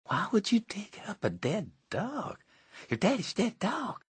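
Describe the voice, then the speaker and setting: A man voicing an anxious, earnest young boy who asks uneasy questions in a raised, softer voice. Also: high-pitched, huge pitch swings, a little slow, slightly rough, pitched above the performer's own voice, exaggerated voice. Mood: worried.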